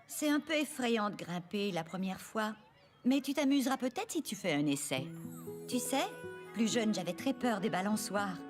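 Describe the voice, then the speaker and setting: A woman's voice: mid-range voice, animated, moderate pace, soft background music, natural voice. A woman voicing a kind, patient daycare teacher in a children's cartoon, encouraging and reassuring small children.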